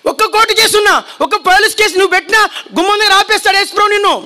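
A man preaching a fiery sermon to a congregation, shouting warnings and calling on listeners to repeat his words back to him. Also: very high-pitched, fairly even intonation, very fast. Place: church hall before a congregation.

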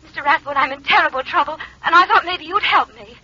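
Very high, pleading wife on telephone. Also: female voice, fast, sharp tone, highs cut off. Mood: anxious pleading. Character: pleading, troubled wife calling for help. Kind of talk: 1940s radio acting. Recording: thin phone effect, noisy old radio recording.

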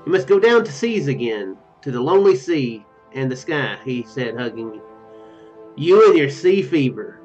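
Low-voiced man rambling through a game playthrough. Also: sing-song, moderate pace, a little mellow. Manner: rambling, hesitant, with trailing asides. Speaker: video game streamer. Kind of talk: let's play commentary, reading game text aloud. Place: indoor room at home. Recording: dull, lo-fi microphone sound. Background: game music.

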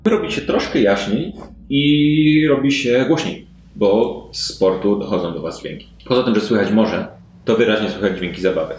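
A man's voice: fairly low pitch, moderate pace, a little mellow, slight background noise. A man running a tabletop role-playing game, improvising descriptive narration in a conversational way. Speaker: game master. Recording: roomy, echoey indoor recording.

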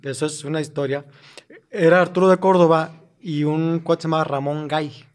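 A man's voice: a little high, steady tone, normal speed. A man with a Mexican accent, a podcast host prodding his guests with questions and telling a story in casual chat. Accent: Mexican Spanish.

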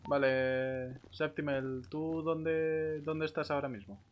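A man's voice: fairly high pitch, steady tone, slow, lo-fi sound. A man chatting casually in character while playing an online roleplay game, speaking into a close microphone.

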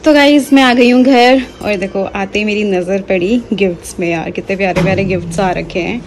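A woman's voice: mid-range voice, brisk, a little hiss or hum. A young adult woman vlogging casually at home, chatting directly to her viewers. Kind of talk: casual family vlog chat.

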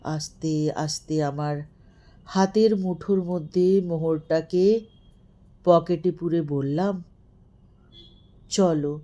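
A woman narrating a scripted story as an expressive storyteller. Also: fairly low pitch, slow.

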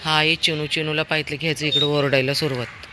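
A woman with a hoarse voice from a cold, talking casually while she walks her dog outdoors and fondly scolds it. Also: low voice, little pitch movement, quick pace, noisy background. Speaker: dog owner vlogger. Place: outdoors in a housing society.

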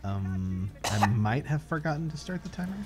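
A man's voice: medium pitch, sing-song, moderate pace, faint music behind. A man co-hosting a live game stream, relaying viewer requests in a dry, laid-back way. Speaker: stream co-host reading chat. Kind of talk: casual live stream chat.

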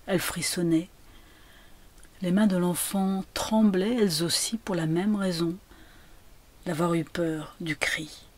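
A woman reads literary prose in a slow, deliberate way, often dropping to a near whisper. Her voice sits on the low side and stays measured and quiet throughout. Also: steady tone. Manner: slow, measured, hushed narration. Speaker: reader. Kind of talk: literary reading.

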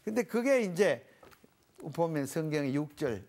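A middle-aged pastor teaches scripture to a small panel. His pitch swings widely as he works through his points. He explains old Hebrew words with homely everyday examples. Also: big pitch swings, a little slow, a little mellow. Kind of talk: televised Bible lecture with a panel.

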